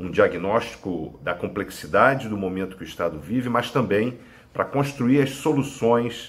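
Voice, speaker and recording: Somewhat breathy, a man talks at a moderate pace. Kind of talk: formal greeting statement. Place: home room. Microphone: webcam.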